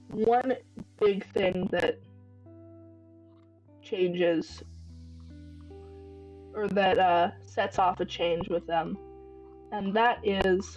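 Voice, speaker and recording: A woman speaking at a very slow pace, with long, frequent pauses and music in the background. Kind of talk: casual talk while drawing. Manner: hesitant, filler-heavy.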